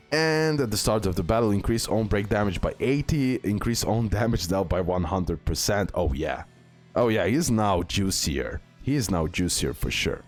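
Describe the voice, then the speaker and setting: A man hosting a gaming video with casual, unscripted commentary, often repeating himself and checking in with the viewer. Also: deep voice. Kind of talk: casual unscripted game tier-list commentary. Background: music.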